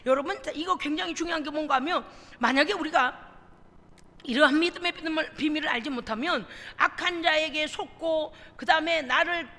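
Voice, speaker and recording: Woman pastor, emphatic sermon, very high voice, bright and sharp, long church-hall reverb. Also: a little fast. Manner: emphatic, asks congregation for responses. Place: church sanctuary.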